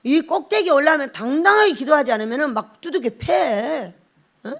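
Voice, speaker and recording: A woman's voice: high voice, animated, normal speed, a bit bright. A woman pastor giving a blunt, scolding sermon and acting out little scenes as she preaches.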